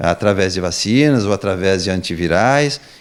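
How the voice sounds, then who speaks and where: An ordinary speaking voice moves at a fairly slow pace. Its intonation is lively. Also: man. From not from Brusque. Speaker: city health secretary, anesthesiologist. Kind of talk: interview.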